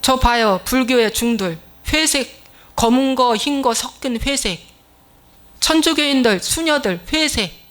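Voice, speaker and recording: A woman's voice: sits high, measured pace, fairly bright tone. A woman pastor delivering a sermon, emphatic and scolding, acting out little quoted exchanges as she preaches.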